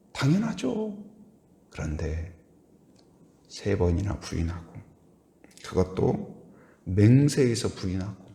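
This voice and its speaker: A man's voice: fairly low pitch, vocal fry, dark tone, roomy sound. A man preaching at an early morning church service, often asking the congregation questions and acting out the voices he quotes. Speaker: pastor. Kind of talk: dawn service sermon. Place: church sanctuary.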